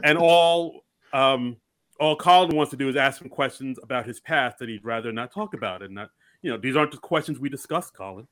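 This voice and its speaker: A man co-hosting a casual comedy podcast, enthusiastic and quick to laugh, often restarting his sentences. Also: mid-range voice, fairly bright tone. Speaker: podcast co-host.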